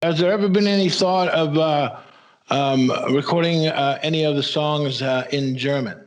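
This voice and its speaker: A man interviewing a guest, putting his questions in a halting way. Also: a little high, poor audio.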